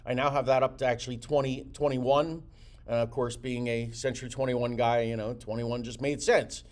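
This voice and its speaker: A man's voice: mid-range voice, little pitch movement, normal speed. A man hosting a real estate coaching show, talking with energy, repeating words and using many fillers. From United States. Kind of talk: motivational teaching talk.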